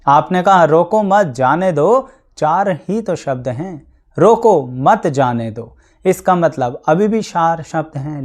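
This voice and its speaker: A man speaking as an astrologer, explaining things to his viewers in a plain, practical way with everyday examples and English words mixed in. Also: a little high. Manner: mixes English words into Hindi.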